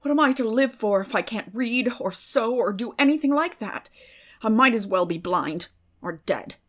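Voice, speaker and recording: A woman's voice: a little high, animated, normal speed, fairly bright tone. A woman voicing a weary, bitter older farm woman in an audiobook, speaking in plain rural phrases with sad resignation. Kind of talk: dramatic audiobook reading.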